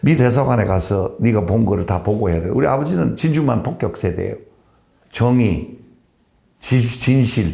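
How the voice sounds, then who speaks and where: A man speaks in a Jeolla accent with a dark, mellow tone. His voice is somewhat breathy, with lively intonation at a moderate pace. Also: medium pitch for a man. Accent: Korean Jeolla dialect. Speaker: medical professor. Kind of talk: interview answer. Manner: calm, matter-of-fact.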